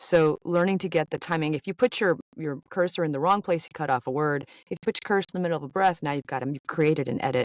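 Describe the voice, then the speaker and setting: The pace is very fast. There are hardly any pauses. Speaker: podcast host; audiobook narrator. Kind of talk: casual chat.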